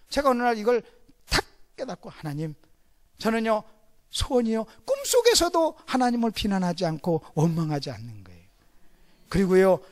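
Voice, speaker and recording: A middle-aged man preaching a sermon in a Gyeongsang Korean accent. His voice sits high for a man and swoops widely in pitch. He alternates loud, emphatic lines with hushed asides. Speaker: pastor.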